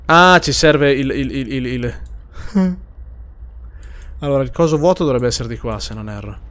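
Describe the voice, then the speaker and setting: A man's voice: mid-range voice, brisk, fairly bright tone. A man streaming a horror game, nervously muttering, repeating himself and swearing as he plays. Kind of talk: live gameplay commentary.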